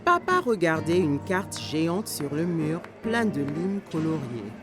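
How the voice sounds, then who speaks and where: Lady narrating a kids story, very expressive up n down, music playing behind. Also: low voice, measured pace. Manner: expressive storytelling in simple sentences. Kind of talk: scripted children's story narration.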